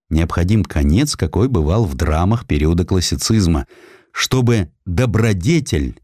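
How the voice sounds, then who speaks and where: A man's voice: deep voice, darkish tone, no echo, studio quality. A man narrating a historical essay as a scripted audiobook, with an emphatic, theatrical storytelling delivery.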